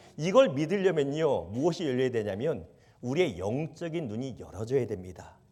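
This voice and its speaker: With a dark, mellow tone and medium pitch, a man talks at a moderate pace. His voice makes very wide pitch swings amid audible room echo. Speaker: pastor. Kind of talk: sermon.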